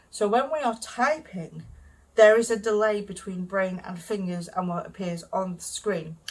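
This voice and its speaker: Using an ordinary speaking voice, this woman talks at a moderate rate, her medium pitch moving with ordinary variation. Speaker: author and writing YouTuber. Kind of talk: tutorial.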